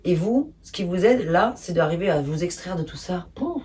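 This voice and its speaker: A woman giving a spontaneous tarot reading, speaking calmly and gently, hesitating often with fillers. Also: on the low side, moderate pace, recorded from a distance. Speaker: tarot reader.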